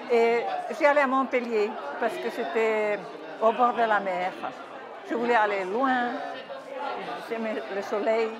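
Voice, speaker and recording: A woman reminiscing in a slow, measured, wistful way in a large hall. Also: fairly high pitch, steady tone, crowd noise. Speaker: alumna. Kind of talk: reflective reminiscence.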